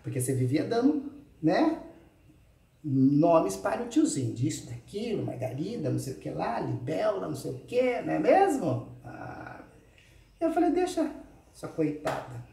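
Animated sarcastic man in echoey room. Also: fairly high pitch, normal speed, gravelly, far from the mic. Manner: animated, sarcastic, peppers sentences with "tá?". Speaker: YouTube channel host. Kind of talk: ranting reply video.

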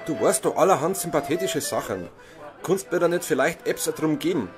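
Wheedling Bavarian village reservist, animated, played by a man. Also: fairly high pitch, a little fast, over music, natural voice. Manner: coaxing, familiar. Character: wheedling young village reservist begging for luck. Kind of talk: dialect audiobook drama.

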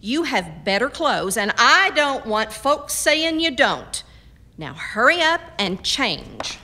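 An actress playing a firm, practical frontier mother in a radio drama, with a brisk, folksy, scolding manner. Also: fairly high pitch, sing-song, sharp tone, heavily acted. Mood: brisk, motherly.

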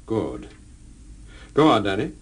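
Suave British gentleman detective, very animated intonation. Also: fairly low pitch, husky, heavily acted. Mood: calm, businesslike. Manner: polite, measured, composed. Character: suave, unflappable gentleman detective, married man. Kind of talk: radio drama acting.

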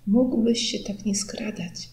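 A woman's voice: fairly high pitch, a little slow, roomy sound. A woman reading an audiobook voices a shy, easily startled girl who speaks hesitantly and keeps her voice down. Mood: hushed urgent. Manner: hesitant, hushed.

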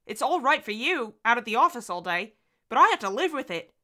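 A woman reader plays a young mother whose nerves are fraying. The voice is bright and forceful, raised in pitch from plain narration. She sounds anxious, tense and pleading, as in a dramatised audiobook. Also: lively intonation, brisk. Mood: frantic, pleading.

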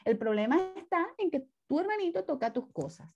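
Teacher lady, high voice, patient examples for kids on a video call. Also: big pitch swings, fairly quick, a little mellow, highs cut off. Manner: explains with repeated examples, addresses pupils as her children. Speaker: religion teacher. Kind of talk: online class lecture to children.

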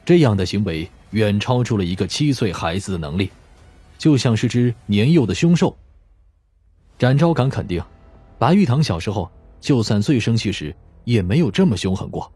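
A man's voice: fairly low pitch, very animated, moderate pace, warm tone, breathy edge, no room sound, faint music behind. A man narrating a novel in a scripted, dramatic audiobook style.

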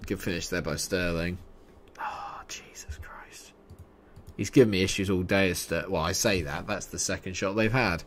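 A young man streaming a football management game, talking through his nerves, yelling at the match and then muttering to himself. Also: deep voice, fairly even intonation, a little fast, hardly any pauses, a little hiss or hum. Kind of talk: live reactions while playing a football management game.

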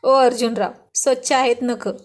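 A woman's voice: fairly high pitch, fairly even intonation, moderate pace, close to an everyday voice. A woman reading a storybook, voicing a pregnant young wife who protests and scolds sharply. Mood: scolding.

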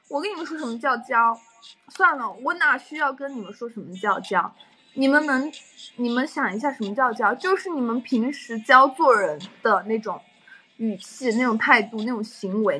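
High, bright young woman livestreaming. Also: husky. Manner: animated storytelling, frequent laughter. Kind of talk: casual livestream chat.

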